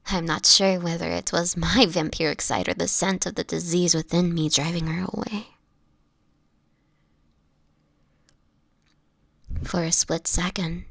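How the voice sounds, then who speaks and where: Sickly vampire woman, voiced by an actress for audio drama: fragile, anguished, breathy and whispery, unhurried delivery, very dry close sound. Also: medium pitch, fairly bright tone, no room sound. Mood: fearful, wounded. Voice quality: breathy, often dropping to a whisper. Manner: halting, pleading, fragile. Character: sickly homeless female vampire, anguished, guilt-ridden, protective. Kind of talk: dramatic audio roleplay monologue.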